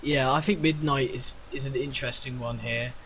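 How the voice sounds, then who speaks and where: A man's voice: mid-range voice, fairly even intonation, moderate pace, fairly bright tone, slight background noise, low-quality recording. Teasing, chatty male podcast host. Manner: chatty, teasing, laughs often. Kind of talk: casual podcast chat.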